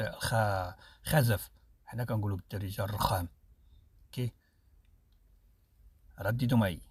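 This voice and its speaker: A man with a Moroccan Arabic accent leads an Italian pronunciation drill, saying each word slowly and more than once. His pitch swings widely as he stresses sounds, and his voice is a little husky. He is recorded close up in a dry room. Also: fairly bright tone, no echo. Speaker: Italian teacher. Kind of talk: pronunciation lesson.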